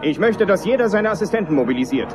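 A man's voice: sits high, animated, quick pace. A man acting a commanding mission flight director in a dubbed film, steadying his team with orders. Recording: music and busy room chatter behind.

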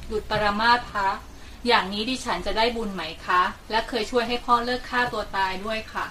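Woman reading out listener questions, bright and a bit high, sounds far off the mic. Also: a little fast. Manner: polite, even reading. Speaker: reader of submitted questions. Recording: distant mic with faint noise.

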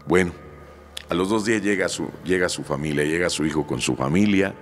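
A man's voice: sits low, brisk, long reverb tail. A man telling a ghost story in a conversational way, full of fillers and quoted dialogue. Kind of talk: oral ghost story narration.

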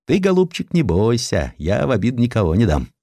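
A man's voice: medium pitch, huge pitch swings, fairly quick, warm tone, no room sound, clean studio sound. A man voicing a crusty but kindly admiral in a dramatised audiobook, brusque and commanding, then coaxing. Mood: soothing, fatherly. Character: crusty, blunt, kindly protective male admiral. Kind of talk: Russian audiobook character acting.

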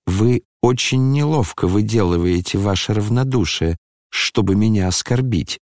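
A man's voice: lowish voice, lively intonation, normal speed, a little mellow, dry recording, studio quality, close to an everyday voice. A man voicing a feverish young man in a dramatic audiobook, speaking in a shaky, accusing way that breaks on each word.

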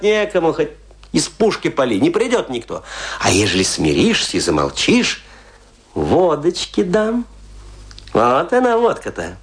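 An actor playing a boastful, scornful provincial tragedian in a radio play, telling his tales theatrically with emphatic, pointed pauses. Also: high-pitched. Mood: gleeful menace. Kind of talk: dramatic radio play monologue.

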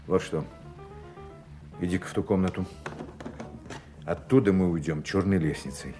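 An actor playing a guarded secret agent, tender but bitter, with an intense, deliberate delivery in a Russian audio play. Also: male voice, low-pitched, dark tone, lightly acted. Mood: brisk, commanding. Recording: music under the voice.

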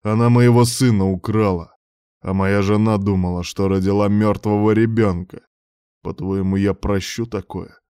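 A man's voice: on the low side, fairly even intonation, moderate pace, mellow, smooth, dry recording, studio quality, lightly acted. A man voicing a cold, vengeful man who speaks with clipped, contemptuous menace in an audiobook. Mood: bitter anger. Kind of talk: audiobook character voice.

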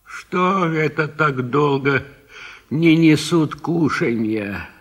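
An actor playing a feeble, grieving old widowed landowner in a 1970s Soviet audio drama, halting and stammering over his words. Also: on the high side, animated, fairly bright tone, full character voice. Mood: querulous, feeble. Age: older.

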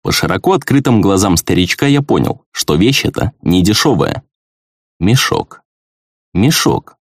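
Male audiobook narrator, lowish voice, very lively pitch, dry close sound. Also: a little fast, dry recording. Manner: expressive, conversational. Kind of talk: first-person fantasy audiobook narration.

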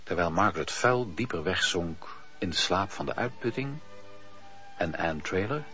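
A man with a husky voice narrating a Dutch radio play as a scripted storyteller. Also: deep voice, expressive, normal speed, bright, forceful tone, soft background music. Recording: dull, muffled old radio-play recording.

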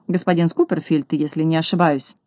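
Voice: medium pitch, fairly even intonation, fairly quick, a little mellow, dry recording, lightly acted. A slick male swindler talks in a polished, falsely courteous way, as a storybook reader puts him on. The recording is close and dry. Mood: smooth. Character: smooth-talking male swindler, mock-polite. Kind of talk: audiobook narration.

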